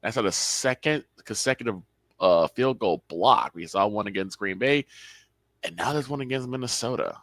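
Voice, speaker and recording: A young man gives casual color commentary, breaking down calls in a chatty way. His voice is on the low side. It is recorded dry, with no room sound. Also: lively intonation, normal speed, a bit bright, no room sound. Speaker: sports show co-host.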